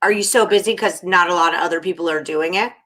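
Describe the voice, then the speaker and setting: Podcast co-host, a woman with a bright voice who asks friendly questions. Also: lowish voice, fast talker. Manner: friendly, prompting questions, laughs easily. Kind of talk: casual podcast chat.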